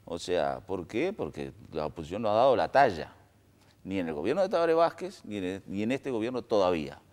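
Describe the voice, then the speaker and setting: Man, Uruguayan accent, very deep voice, lively intonation, measured with fillers, political panel. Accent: Uruguayan Spanish. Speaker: political analyst. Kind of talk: panel discussion.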